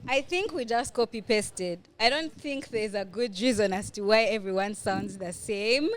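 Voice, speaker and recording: A woman with a Ugandan accent speaking in casual podcast chat, explaining things in an animated way and acting out her examples. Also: medium pitch, normal speed, a little hiss or hum. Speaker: guest, media personality and podcaster.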